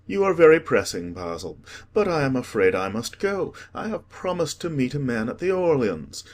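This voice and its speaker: A man voicing a witty, languid aristocratic gentleman with a teasing, ironic manner. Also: mid-range voice, very animated, normal speed, pitched above the performer's own voice.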